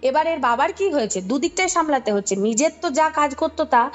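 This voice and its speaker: A woman's voice: high voice, expressive, fast, soft background music. A woman with a Kolkata Bengali accent recounting a story conversationally, explaining as she goes and checking in with the listener. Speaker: podcast guest recounting a ghost story.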